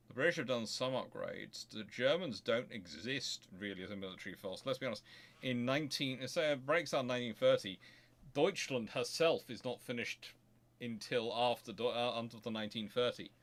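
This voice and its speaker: A man hosting a casual live question-and-answer stream on history, talking in a halting way as he thinks aloud and repeats phrases. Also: mid-range voice, fairly bright tone. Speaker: host of a naval history stream.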